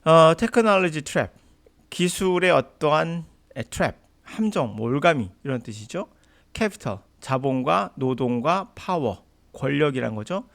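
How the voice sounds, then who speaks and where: A man's voice: a little high, creaky. A man teaching an English lesson in an emphatic, argumentative lecture style.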